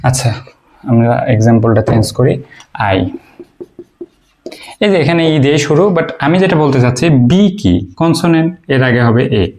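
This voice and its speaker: A man from Bangladesh gives a relaxed beginner English lesson to video viewers. His pitch sits in an ordinary middle range. He works through the rules step by step, stopping to ask questions and then answering them. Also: moderate pace, pauses often. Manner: explains step by step, asks the listener questions and answers them himself; frequent hesitations and fillers while he thinks. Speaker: English teacher. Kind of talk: informal video lecture.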